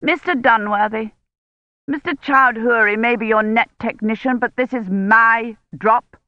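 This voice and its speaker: A woman's voice: a little high, measured pace, no echo, voice pushed up, close to an everyday voice. A woman reading a novel aloud, voicing a stiff, officious male project director who speaks in a curt, condescending way. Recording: dry, slightly dull lo-fi recording.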